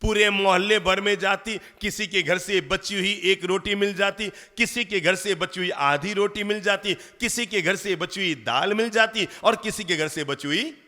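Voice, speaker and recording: High, bright-voiced man preaching in a hall. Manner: animated storytelling with rhetorical questions. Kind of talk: storytelling sermon. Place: large lecture hall. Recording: long hall reverb.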